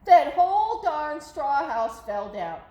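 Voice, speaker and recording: A folksy storybook wolf, acted out by a woman, chatty and forever excusing himself. The delivery swings widely in a high-pitched voice. The room sounds echoey. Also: very animated, takes it slowly, dark tone, heavily acted. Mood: dramatic, innocent. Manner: chatty, protesting innocence. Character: self-justifying folksy wolf telling his side.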